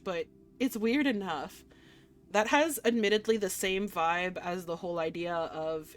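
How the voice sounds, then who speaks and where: Female streamer, mid-pitched, narrating a visual novel with expressive, excitable commentary over faint background music. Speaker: game streamer reading a visual novel aloud. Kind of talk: expressive read-aloud mixed with casual reactions.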